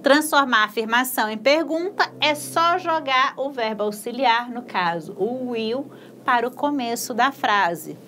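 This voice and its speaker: A Brazilian woman teaching English in a recorded video lesson, slowly spelling out English sentences word by word and explaining in a casual, encouraging way. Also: on the high side, lively intonation, sharp tone, a little hiss or hum. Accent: Brazilian Portuguese.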